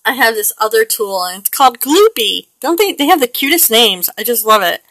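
A woman in her late forties chats and rambles as she works on a digital painting, laughing often. Her voice sits a little high and bright. The sound is dry and close. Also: animated, brisk, dry recording. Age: 40s. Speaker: digital artist. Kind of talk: casual chat while painting on screen.

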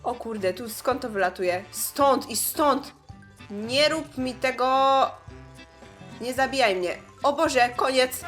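A Polish woman commentating her own gameplay, reacting loudly and yelling at the game characters. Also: high voice, slow, soft background music. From Poland. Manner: exclaims and shouts at the game. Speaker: gameplay streamer. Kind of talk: excited gaming commentary.

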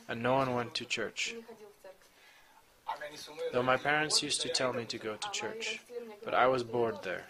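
A man in his forties from Croatia, with a Croatian accent, giving a slow, candid personal testimony to a group in a covered outdoor courtyard. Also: medium pitch, rough recording. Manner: slow, measured and candid, with short plain sentences. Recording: crowd murmur behind. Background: group of listeners.

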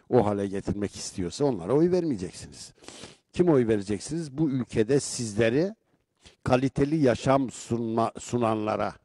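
A middle-aged man hosts a local call-in style show, his voice warm and dark. He is recorded close and dry, and he moves from easy chat into pointed rhetorical questions. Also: medium pitch, no echo. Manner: conversational, turning rhetorical and emphatic when he comments. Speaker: local broadcast host reading viewer comments. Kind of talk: casual live-show commentary.

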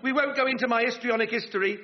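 A man's voice: very high-pitched, fast talker. An actor playing a pompous, deluded Englishman with political dreams, in a colloquial, oratorical manner for a radio sitcom. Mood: confident scheming. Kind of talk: radio sitcom acting before a live audience. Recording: dull, noisy radio sitcom recording with clicks.

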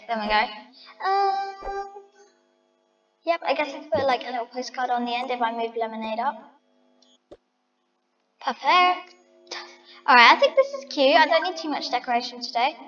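A woman's voice: high voice, fairly bright tone, big-room sound, highs cut off. A woman chatting to her viewers as she decorates a house in a game, thinking aloud. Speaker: vlogger. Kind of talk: casual game commentary.

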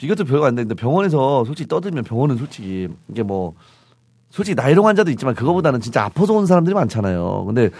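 A man's voice: medium pitch, big pitch swings, very fast, darkish tone, no room sound. A man co-hosting a casual talk show, joking and bantering playfully. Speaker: podcast co-host. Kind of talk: casual chat.

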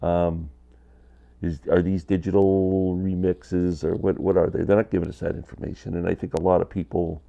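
A man's voice: low voice, little pitch movement, normal speed, gravelly, mellow, lo-fi sound. A man in his fifties with a stuffy cold, chatting casually to camera from his basement about records. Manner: chatty, candid, gestures a lot with hands. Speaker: vinyl collector vlogger. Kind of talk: casual rambling vlog. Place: basement room, indoors, small.

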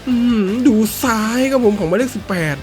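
Playing a football video game with music in the background, a gaming YouTuber talks fast and casually with plenty of excitement. He alternates between low mutters and high yelps and keeps swearing at the game.

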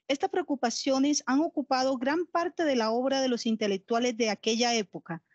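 A woman's voice: on the high side, dry recording, lo-fi sound. A woman in her forties with a Colombian accent, reading a formal academic lecture over a headset on a video call. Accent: Colombian Spanish. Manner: measured, formal, reading aloud. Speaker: conference speaker. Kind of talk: academic lecture read from text. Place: home office, video call.

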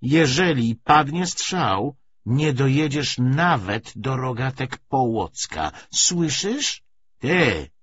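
A man's voice: mid-range voice, sing-song, slow pace, voice pushed up, heavily acted. Male narrator as defiant woman, threatening, insistent, sardonic, swooping intonation, dull audiobook recording. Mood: fierce, threatening. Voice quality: hoarse, strained half-shout. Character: defiant, threatening woman bargaining hard for money.

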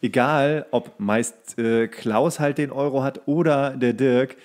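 A man's voice: medium pitch, fairly even intonation, takes it slowly, a little mellow. A man co-hosting a podcast in a casual, rambling chat, often drifting off on tangents. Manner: rambling, digressing. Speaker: podcast co-host.

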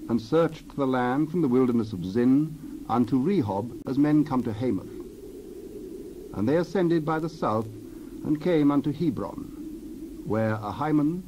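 A man narrates scripture in deliberate, measured phrases at a medium pitch. The recording is dull, with clear noise behind the voice. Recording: dull, noisy recording with background ambience.

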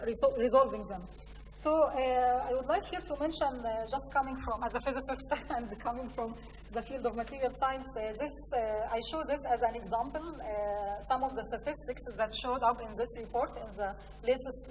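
Female conference speaker, Egyptian accent, slightly high voice, halting delivery, picked up at a distance in a reverberant hall. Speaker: conference speaker, science programme representative. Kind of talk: conference presentation with slides. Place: large conference hall, indoors. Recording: echoey hall, distant mic, faint noise.

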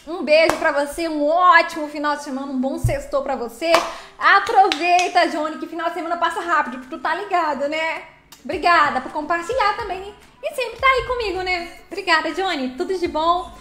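A woman hosts a casual live stream, greeting viewers by name as she plays. Her voice is high and bright, with lively chatter. The sound is echoey, with faint music behind her. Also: normal speed, slight background noise. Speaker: live streamer playing a truck game.

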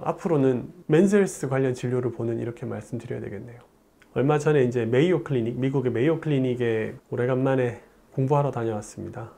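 With a creaky, medium-pitched voice, a male urologist in his forties gives an explanatory talk to camera. He's recorded on a lapel mic in a plain studio, animated and gesturing as he tells it in a chatty storytelling style.

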